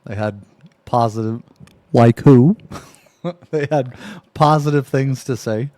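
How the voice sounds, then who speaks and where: A man in his late thirties chatting casually on a live stream, reading viewer messages, laughing often and trailing off with a drawn-out "man". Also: medium pitch, mellow, no echo. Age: 30s.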